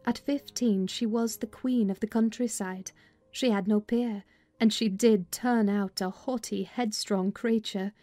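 A woman playing a plain-spoken housekeeper, recounting family history in a measured dramatized literary reading. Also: medium pitch, steady tone, warm tone, no room sound, natural voice. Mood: measured, reflective. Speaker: audiobook narrator. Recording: music bed behind voice.

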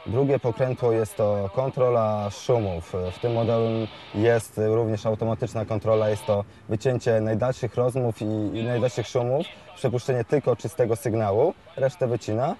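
A young man with a dark, relaxed voice at an average male pitch. He explains equipment like a shop expert, haltingly, with many hesitations and repeated words. A lapel mic picks him up with some background noise. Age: 20s. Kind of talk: explanatory product tutorial, unscripted.

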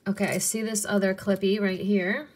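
A young adult woman casually going through a bin of flea market jewelry, pricing each piece and muttering soft asides to herself. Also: mid-range voice, little pitch movement, slight background noise. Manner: unhurried, softly muttering asides, cooing over pieces. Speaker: resale seller pricing jewelry. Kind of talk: casual hands-on haul video.

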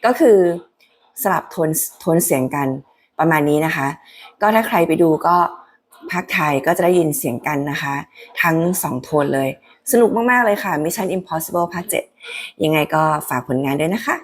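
A woman's voice: sits low, lively intonation, moderate pace. A woman voice actor talking casually and politely to the camera about her dubbing work. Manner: friendly, chatty, polite.

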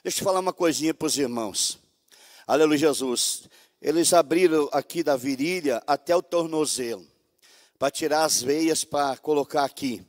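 A man giving a fervent testimony as a pastor in a Pentecostal church service, moving from hushed storytelling to loud exclamations of praise. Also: a little high, no echo, studio quality, long reverb tail.

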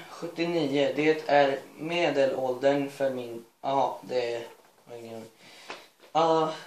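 A man's voice: medium pitch, a little hiss or hum. A man reading his own school story aloud, rambling with self-mocking asides and laughing at his own writing. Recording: echoey room.

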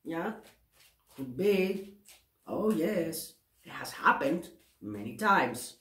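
Seated at a table indoors, a tarot reader in her forties with a Greek accent talks to camera, chatting, self-correcting and frequently checking on the viewer. She speaks extremely slowly in a low-sitting, very animated, fairly bright voice, and the room is echoey.

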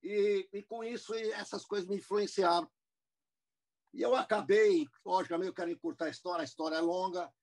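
A man's voice: sits high, steady tone, fairly quick, darkish tone. A man in his seventies from the United States, a businessman guest telling his life story in a rambling interview manner over a video call. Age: 70s. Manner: rambling, with many restarts and asides. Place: indoor room at home.

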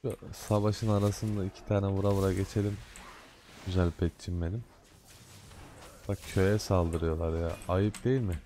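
This man has a low, warm, level voice at normal speed with long pauses, and a little hiss or hum sits in the audio. An adult gaming host with a day job, he gives casual let's-play commentary in slangy banter, mock-scolding the game as he plays.

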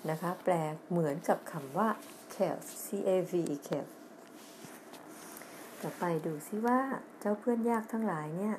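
A woman's voice: on the low side, animated, a little hiss or hum. A middle-aged woman with a Thai accent teaching English on television. She reads a children's story line by line, spells out the words letter by letter, and explains them in Thai. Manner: reads English lines slowly and loudly, then explains quickly in Thai. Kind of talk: TV English lesson, reading a children's story aloud.

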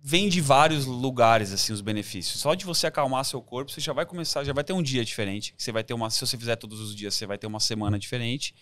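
A man's voice: mid-range voice, fast talker, hardly any pauses, fairly bright tone, dry recording. A Brazilian man talking informally and enthusiastically as a podcast guest, with plenty of slang. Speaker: podcast guest, amateur triathlete. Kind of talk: casual podcast chat.

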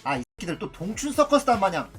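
A man giving comedic, excitable football video game commentary, swearing and yelling out player names. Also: high-pitched, fast, over music. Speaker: gaming YouTuber.

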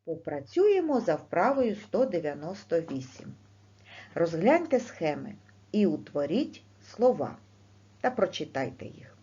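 Woman, primary school teacher, slow clear lesson, husky mellow voice, dull lo-fi recording. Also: on the low side. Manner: slow, clear teacher's delivery with lively rising questions.

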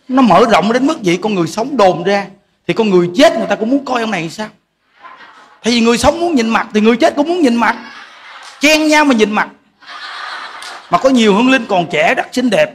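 A man's voice: very high voice, fairly bright tone, slight background noise. A man with a Southern Vietnamese accent, a Buddhist monk giving a humorous dharma talk, laughing often and speaking straight to his audience. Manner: jokey, laughing, addresses audience directly.

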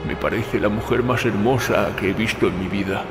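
A man's voice: on the low side, normal speed, over loud music, lightly acted. A man playing an earnest, concerned local companion in an audio drama. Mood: tender wonder. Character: earnest local companion, also narrating his own thoughts. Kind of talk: Spanish-language audio drama acting. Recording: echoey reverb, outdoor wind ambience behind.

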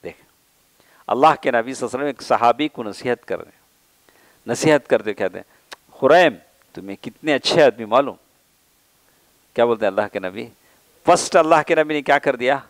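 A man's voice: medium pitch, expressive, pauses often, no room sound, rough recording. A man with an Indian Urdu accent giving a religious lecture, often asking his listeners a question and then answering it himself, and mixing Arabic quotations and English words into his talk. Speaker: Islamic scholar giving a lecture. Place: mosque or lecture hall.

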